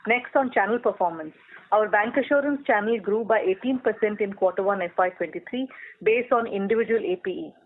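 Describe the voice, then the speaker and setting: The voice comes thinly through a narrowband conference phone line. It is a company executive, at a middling pitch. The results are read from a script in a measured, formal corporate style. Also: a little hiss or hum. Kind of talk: scripted earnings call presentation. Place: telephone conference call.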